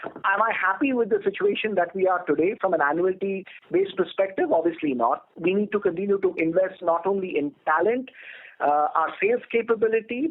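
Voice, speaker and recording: Casting: male company leader on an investor call, high-pitched, measured and emphatic, telephone audio. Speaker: company executive. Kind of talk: earnings call answers. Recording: narrow telephone conference line.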